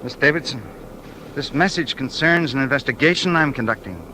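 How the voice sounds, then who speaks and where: An actor playing an arrogant, unyielding political investigator in a 1950s radio drama, talking in a cold and domineering way. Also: male voice, medium pitch, fairly quick, sharp tone, lightly acted, poor audio. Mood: menacing. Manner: cold and domineering, rising to fervor. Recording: faint hiss of an old radio broadcast.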